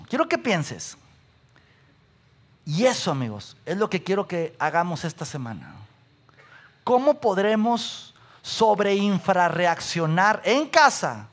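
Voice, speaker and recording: Brief: pastor, high, bright voice, lively preaching that fires questions at the congregation. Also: male voice. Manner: animated, asks the audience questions, repeats lists. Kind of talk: sermon.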